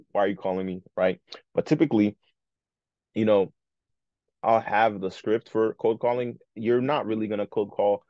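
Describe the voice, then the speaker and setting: A man teaching cold calling in a casual training call, saying "right?" after almost every point and acting out sample sales pitches. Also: warm tone, dry recording, lo-fi sound. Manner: informal, keeps adding "right?", acts out sample sales pitches.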